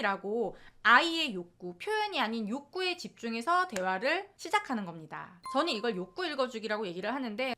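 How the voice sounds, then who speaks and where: A woman's voice: fairly high pitch, sharp tone. A woman parenting coach explaining step by step and acting out short quoted lines. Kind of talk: parenting advice talk to camera.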